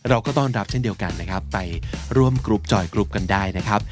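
Male podcast co-host, lower register, easygoing teaching chat. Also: quick pace, soft background music. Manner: explains words in Thai, mixing in English terms. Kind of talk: casual explanatory chat.

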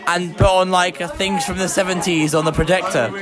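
A man's voice: high-pitched, level tone, brisk. A drunk young man, a party guest, rambling and offhand with giggles. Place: crowded student house party. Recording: loud music and crowd behind. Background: loud music and party crowd.

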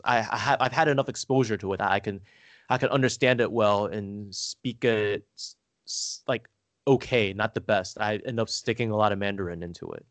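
A man's voice: on the low side, dry recording. An American man chatting casually as a guest, rambling and hesitant with lots of "like" fillers. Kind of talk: casual conversation.

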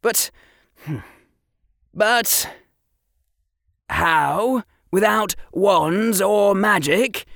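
Male reader doing a proud wizard boy, shaken, wavering, raised pitch, slow. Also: gravelly, a bit bright, dry recording, clean studio sound, exaggerated voice. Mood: wondering. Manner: wavering, whispering in awe.

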